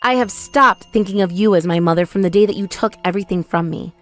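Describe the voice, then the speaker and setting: A woman's voice: medium pitch, quick pace. A woman giving dramatic first-person scripted narration as a story's narrator. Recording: voice over background music.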